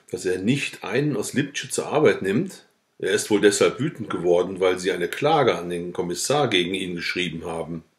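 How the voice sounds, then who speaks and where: An earnest old villager pleads for the hungry, his words grave and urging, as a deep-voiced man reads him aloud. The voice stays low and close to plain reading. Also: close to an everyday voice.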